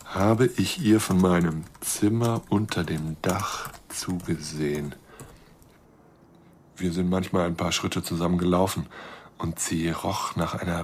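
Low-voiced, shy lonely astronomer. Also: male voice. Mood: wistful. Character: lonely, shy, trusting male astronomer seeking love. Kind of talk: intimate radio drama monologue.

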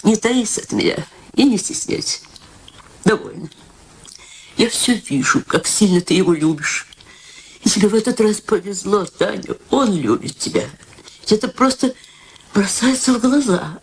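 An older woman playing a wistful, sharp-witted elderly mother in a radio drama, plaintive and theatrical. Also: medium pitch, lively intonation, a little slow, pauses often, slight background noise. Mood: knowing, reproachful. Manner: plaintive, dramatic, repeats herself.

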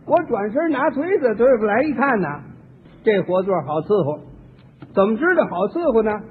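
A man's voice: sits high, big pitch swings, moderate pace, a little hiss or hum. A man performing a solo comic story, acting out both sides of each exchange. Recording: tinny archival radio recording with long hall reverb.

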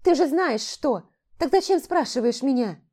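A young heroine from a fantasy novel, as the woman narrating puts her on, pleading in a raised, emotional voice that climbs higher than her storytelling tone. The timbre stays mellow and soft-edged even as she presses. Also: a little slow. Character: young heroine, frightened and indignant. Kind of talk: audiobook character voicing.

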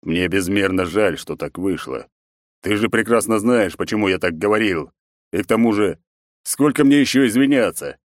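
A stern, weary emperor, as a man reading the story voices him, with a commanding, fatherly manner. The voice is low. The sound is close and dry. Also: lively intonation, moderate pace, no echo, natural voice. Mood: hurt.

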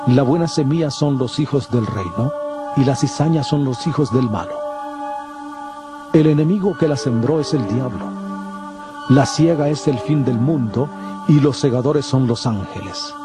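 An actor playing a calm, solemn male teacher of parables in a dramatized scripture audio, speaking in a measured, deliberate way. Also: medium pitch, close to an everyday voice. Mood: solemn explaining. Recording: constant prominent music under the voice. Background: music.

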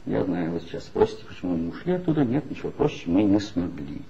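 Wry, bitter ex-writer. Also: male voice, on the low side, sing-song, fast talker, gravelly, mellow. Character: bitter, ironic former magazine writer, middle-aged man. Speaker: former writer of a secret magazine department. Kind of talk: 1960s radio play acting. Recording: dull old 1960s radio recording with faint hiss.

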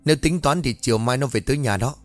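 A man voicing a sly older master of the house who gives calm, cold orders, in a spoken ghost story. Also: medium pitch, quick pace, faint music behind, close to an everyday voice. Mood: cold calculating. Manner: calm, commanding, pretending concern.

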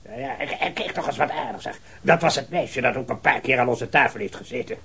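An actor playing a jovial, talkative, hard-of-hearing old retired colonel who rambles heartily in a radio drama. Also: male voice, medium pitch, sing-song, a little fast, vocal fry, sharp tone, husky, full character voice. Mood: insistent, flustered. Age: older. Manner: rambling, hearty, with repeated affirmations and chuckles.

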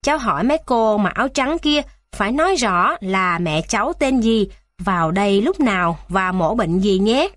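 A woman voicing a stern male hospital gate guard in a children's storybook, in a gruff scolding manner. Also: mid-range voice, animated, moderate pace, no echo, lightly acted. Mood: gentle. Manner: gruff scolding, softening later.

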